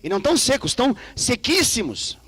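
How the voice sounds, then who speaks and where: A man's voice: extremely high pitch, brisk, breathy edge, no echo. A man preaching a sermon in a Brazilian Portuguese accent, playful and joking, acting out dialogues in shifting voices. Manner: animated, acts out dialogues with God in shifting voices; playful, joking and laughing with the congregation. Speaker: pastor. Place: church service.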